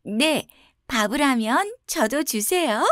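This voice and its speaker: A gentle, polite young snail spirit, played by a woman in a bedtime storybook reading. The voice sits well above the teller's own and sounds soft and coaxing. It is recorded close and dry, with no room around it. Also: high voice, animated, slow, dry recording, pitched above the performer's own voice, heavily acted. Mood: sweet, polite. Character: sweet young female river snail spirit.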